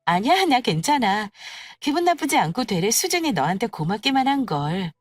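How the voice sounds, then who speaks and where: A woman playing a patient, polite, quietly confident young bride-to-be in an audio story, with composed and gentle phrasing. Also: on the high side, sing-song, moderate pace, no echo. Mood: calmly confident. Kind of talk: acted dialogue in an audio story.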